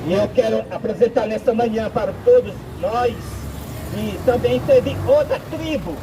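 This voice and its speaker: A Brazilian man preaching a sermon outdoors, speaking in slow, deliberate, drawn-out phrases. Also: very high voice. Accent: Brazilian Portuguese. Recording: outdoor street noise with traffic.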